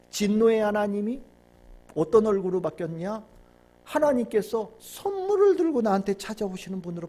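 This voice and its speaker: A man, the pastor, preaching a Sunday sermon with animated storytelling and little acted-out scenes. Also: sits high. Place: church sanctuary.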